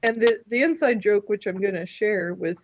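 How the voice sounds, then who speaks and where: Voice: mid-range voice, moderate pace, no echo, low-quality recording. A person chatting casually on a podcast, giggling often and rambling through restarts. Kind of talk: casual chat.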